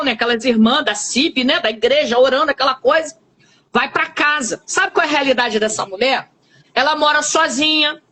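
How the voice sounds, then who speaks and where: A woman's voice: sits high, a bit bright. A woman giving a fervent church testimony with a Brazilian Portuguese accent, repeating key words for emphasis. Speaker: testifying minister.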